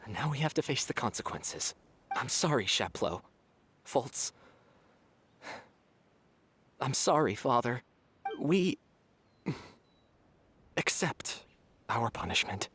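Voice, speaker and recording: A man's voice: medium pitch, big pitch swings, slow, long pauses, fairly bright tone, slight background noise. A man voicing a remorseful young man in a game, who speaks with grave resignation. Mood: resigned.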